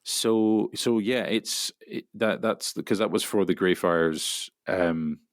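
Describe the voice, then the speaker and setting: Low creaky Scottish man. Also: no room sound, clean studio sound. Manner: rambling, explanatory, halting with many restarts. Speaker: voice actor guest. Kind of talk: casual interview chat.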